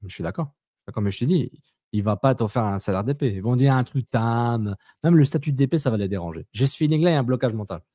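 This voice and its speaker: A man's voice: mid-range voice, animated, fast, dark tone, no echo, clean studio sound. A man co-hosting a casual soccer podcast, talking bluntly, repeating himself and slipping in English words. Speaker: podcast co-host.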